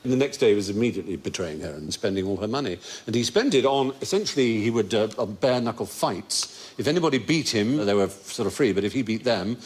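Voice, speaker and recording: A man's voice: fairly low pitch, animated, fast, few pauses. A man hosting a comedy quiz show, telling anecdotes playfully and often laughing. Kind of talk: lively panel show banter. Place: TV studio with live audience.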